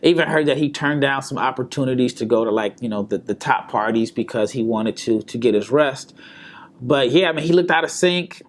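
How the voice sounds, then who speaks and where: A man hosting a solo basketball podcast, his voice a little hoarse from a sore throat, talking casually and restarting his words often. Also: mid-range voice, a little fast. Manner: conversational, repeats words and restarts. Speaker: podcast host and basketball scout. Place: hotel room or indoor spot in Las Vegas.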